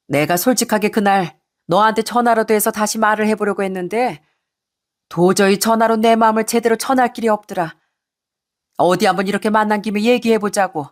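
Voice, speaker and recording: A woman's voice: medium pitch, voice pushed up, close to an everyday voice. A woman doing a hurt, reproachful mother-in-law. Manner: reproachful, pleading questions. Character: hurt indignant Korean mother-in-law, 60s.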